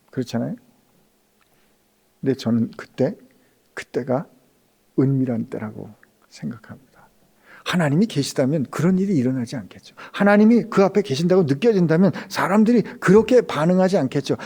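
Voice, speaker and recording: Korean pastor preaching, loud then whispered. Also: male voice, on the high side, slightly rough. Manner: dramatic swings from loud to hushed whispers; acts out quoted speech in intimate tones. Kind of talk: sermon.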